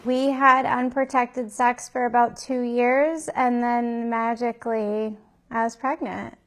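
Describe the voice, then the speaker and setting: A woman's voice: fairly high pitch, fairly even intonation, slow pace. A woman in her twenties speaking frankly and matter-of-factly in a documentary interview. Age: 20s.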